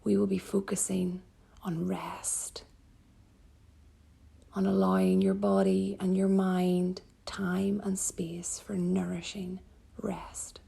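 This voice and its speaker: A woman yoga teacher leading a guided relaxation meditation in a soft, breathy, soothing manner with gentle pauses. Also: lowish voice.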